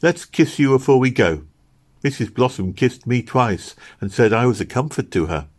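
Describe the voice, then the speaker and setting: A man's voice: medium pitch, lively intonation, moderate pace, pitched above the performer's own voice, close to an everyday voice. A man plays an earnest little girl in a storybook tale. The voice is lifted well up, with simple, childlike phrasing, hopeful and caring in every line. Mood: gentle. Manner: simple, childlike, insistent speech.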